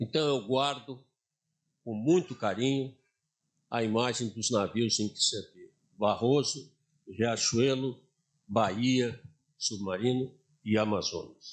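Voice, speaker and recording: A man's medium-pitched voice at a very slow pace, with long, frequent pauses, ordinary pitch variation and a quiet background. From southern Brazil (Curitiba). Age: 80s+. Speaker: retired navy admiral. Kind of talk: lecture.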